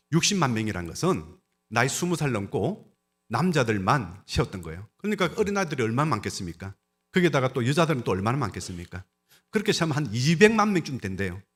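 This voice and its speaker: A man's voice: a little high, a bit bright. A middle-aged man preaching a Sunday sermon in a church, putting rhetorical questions to the congregation. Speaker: pastor. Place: church sanctuary during a service.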